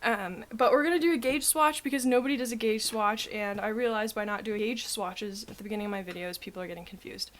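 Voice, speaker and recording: A woman's voice: medium pitch, fast talker, few pauses. A woman, sounding sniffly and talking through a crochet tutorial in a chatty, rambling way full of fillers. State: sniffly with a cold. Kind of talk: casual spoken tutorial.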